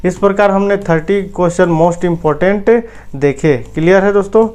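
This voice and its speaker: A male teacher with a high, smooth and crisp voice works through exam questions. He reads each option aloud, keeps asking the viewers what the answer is, and then explains it. His Indian Hindi accent runs steadily through the whole lesson. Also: measured pace, a little mellow. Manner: repeatedly asks the audience, then gives the answer.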